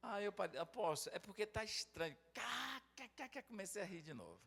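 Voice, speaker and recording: A man's voice: high voice, fast talker, husky. Middle-aged man, laughing storyteller, swooping intonation, echo of a large hall. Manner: animated, laughing storyteller who acts out dialogue. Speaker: pastor and city councilman. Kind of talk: storytelling at a pastors' gathering.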